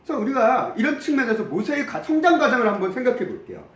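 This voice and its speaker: A man preaching a sermon as pastor, animated, acting out the quoted complaints. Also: very high voice, quick pace, reverberant. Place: church sanctuary.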